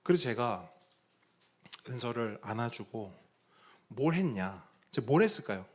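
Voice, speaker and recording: Animated middle-aged male pastor preaching. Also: medium pitch, measured pace. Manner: animated storytelling, acting out quoted voices, asking the congregation questions. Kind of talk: sermon. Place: church sanctuary.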